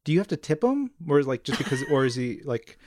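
A podcast co-host, male with a medium-pitched, darkish voice, talks fast with big swings in pitch while reading listener mail and chatting enthusiastically. The studio sound is clean, with no room sound at all.

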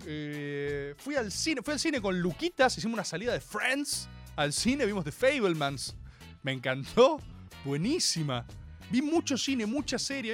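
A man with an Argentine accent hosting a comedic live chat show, joking and talking straight to his audience. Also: sits high. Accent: Rioplatense Spanish. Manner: animated and joking, addresses the audience. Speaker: host.

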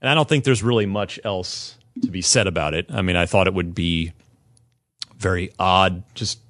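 A man hosting a casual gaming podcast, talking with his co-hosts and often halting and restarting mid-sentence. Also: deep voice, no room sound, clean studio sound. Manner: somber and halting, then lively and animated. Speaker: podcast host.

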